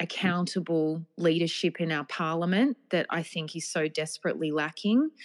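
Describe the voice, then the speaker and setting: A woman with an Australian accent speaks at a fairly low pitch and a moderate pace, with ordinary pitch variation. She leaves hardly any pauses, and the sound is dry and close with no echo. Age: 30s. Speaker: independent election candidate. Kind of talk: interview.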